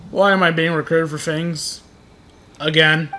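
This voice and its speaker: A man's voice: a little high, steady tone, measured pace, sharp tone, slight background noise. A man hosting a gaming video, casually commenting and reading dialogue choices aloud.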